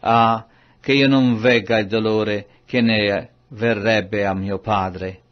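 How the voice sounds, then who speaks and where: A man reading scripture aloud in a measured, solemn way. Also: lowish voice, steady tone, highs cut off. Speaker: Bible reader.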